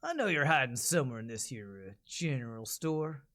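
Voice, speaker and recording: A man voicing a stern, slightly sinister cartoon Old West marshal with a slow, deliberate cowboy drawl. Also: mid-range voice, big pitch swings, fairly bright tone. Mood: stern menacing.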